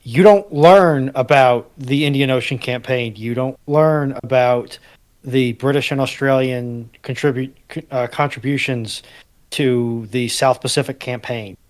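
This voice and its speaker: A man from the United States joins a history discussion. His voice is middling in pitch, and he phrases his points in a measured, analytical way.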